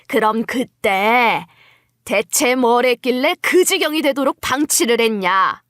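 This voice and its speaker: A woman's voice: a little high, a bit bright, no room sound, studio quality. A woman playing a scheming, self-righteous older mother-in-law in a dramatized story, scolding and accusing. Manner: accusatory, haranguing.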